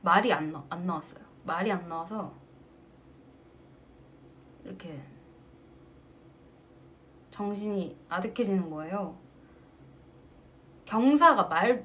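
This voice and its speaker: A woman chats casually with her fans over a livestream, her pitch swinging widely as she tells stories. She laughs often between phrases and keeps an easy, animated way of talking. The sound comes through a phone mic. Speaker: singer hosting a fan livestream.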